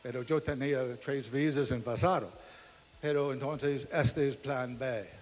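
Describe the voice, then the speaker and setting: Slow, halting man on a church mic. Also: mid-range voice, a little hiss or hum. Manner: slow, searching for Spanish words, many fillers. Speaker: guest church member. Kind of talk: halting testimony in a second language. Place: church hall. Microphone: handheld microphone. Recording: long reverb of a church hall.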